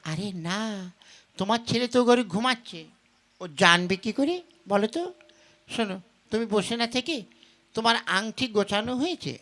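A woman's voice: on the high side, expressive, moderate pace, long pauses, a bit bright. A woman playing a brash, defiant village wife who talks insistently in a folk puppet-show drama. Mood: brisk, bossy. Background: sitar and tabla music.

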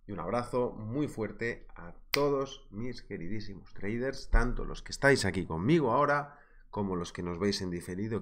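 Low-voiced chatty Spanish trading teacher. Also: male voice, a bit bright. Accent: Spain Spanish. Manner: chatty, jokey, greets chat viewers by name. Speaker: trading instructor. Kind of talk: live webinar, market analysis.

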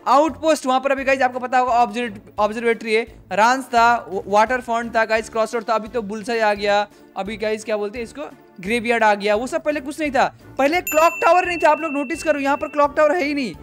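A young man doing casual, excitable game reaction commentary as a gaming YouTuber, chatting to his viewers and chuckling at the footage. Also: extremely high pitch, quick pace, hardly any pauses, soft background music.

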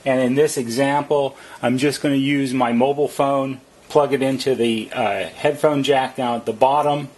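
A man's voice: medium pitch, steady tone, moderate pace, hardly any pauses, darkish tone, husky. A man who works as a service technician, giving an informal, plain-spoken product demonstration and explaining step by step.

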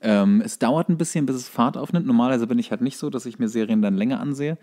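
A man's voice: medium pitch, mellow. A man co-hosting a podcast, chatting casually with a wry, joking manner. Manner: wry, quick to interject quips. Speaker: podcast co-host. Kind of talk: casual joking chat about TV series.

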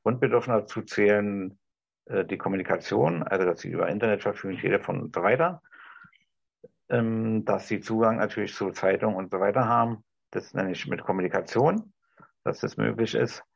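A middle-aged man with a restrained Berlin German accent gives an improvised address, halting and choosing his words carefully, with a gravelly, husky voice. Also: fairly low pitch, no echo. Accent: Berlin German, restrained toward High German. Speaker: discussion participant. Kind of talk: improvised speech to an imagined TV audience. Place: small room indoors. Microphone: video call, device at some distance. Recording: dull, lo-fi video-call audio.

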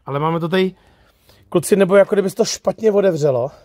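A man's voice: sits high, a little mellow, no room sound, studio quality. A man hosting a casual car vlog, talking informally through a walkaround and test drive at a used car lot. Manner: chatty, informal, tags sentences with "jo". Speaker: host of a car review channel. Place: outdoors at a used car lot, then inside a car.

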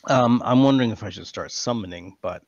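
A man's voice: fairly low pitch, fairly quick, gravelly, no echo, muffled recording. A man playing a tabletop game over an online call, chatting casually about his characters' moves. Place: indoors, video call.

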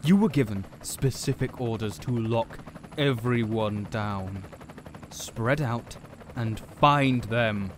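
A man voices a cold and condescending villain mastermind in an audio roleplay. He monologues slowly and theatrically at a middling pitch, sneering with smug control. Clear noise sits behind the voice. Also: close to an everyday voice. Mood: irritated, commanding.

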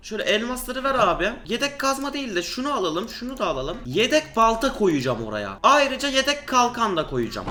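A young man from Turkey giving excitable, joking commentary while playing Minecraft, talking to the viewers and to the animals in the game. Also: very high voice, reverberant, a little hiss or hum. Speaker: gaming YouTuber.

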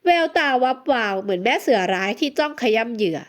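Woman, audiobook narrator, high voice, lively melody, scripted storytelling. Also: fast talker.

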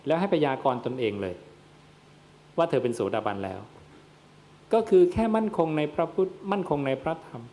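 A Buddhist monk gives a dharma sermon in a man's voice of middle pitch. He speaks straight to his listeners and puts questions that he answers himself. A faint noise runs under the recording. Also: darkish tone. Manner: addresses listeners as "yom", asks and answers his own questions.

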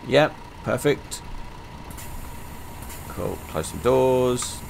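A man with a croaky voice from being ill, casually commenting as he plays a driving game, rambling with lots of fillers. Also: mid-range voice, drawn-out words, darkish tone, a little hiss or hum. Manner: rambling, many fillers, chatty asides. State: croaky from illness. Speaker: gaming channel host. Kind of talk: casual let's-play commentary.

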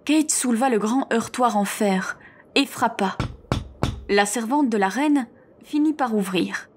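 A woman reads a fairy tale aloud, slow and gentle in her storytelling. Her voice sits fairly high and she lets each phrase take its time. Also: background noise. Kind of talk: audio fairy tale reading.

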